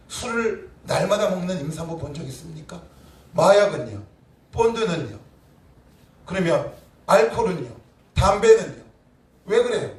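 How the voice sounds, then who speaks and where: A man in his forties, a pastor preaching a conversational sermon full of rhetorical questions to his congregation. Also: high voice. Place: church sanctuary. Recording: echoey church from a distant mic.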